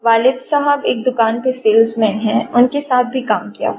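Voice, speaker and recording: A woman's voice: on the high side, gravelly. A woman doing a sheepish, deferential young man. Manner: polite, deferential. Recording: tinny phone-like audio, faint hiss.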